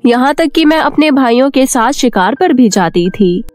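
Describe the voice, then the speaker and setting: A woman's voice: high voice, expressive, moderate pace, darkish tone, no echo, faint music behind. A woman voicing a queen, a concerned mother who admonishes in an exasperated way, in a cartoon story. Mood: chiding. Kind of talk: cartoon moral-story character voice.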